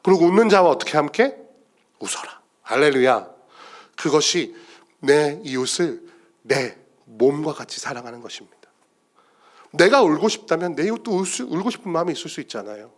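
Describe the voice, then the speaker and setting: A male pastor giving a sermon in a church, emphatic and swinging between loud declarations and hushed asides. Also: a little high, big pitch swings, brisk.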